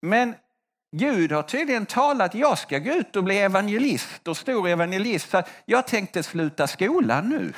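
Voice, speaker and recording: Animated male preacher telling stories. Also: high voice. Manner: animated storytelling, acting out quoted voices. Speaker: preacher and mission leader. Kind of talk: testimony sermon.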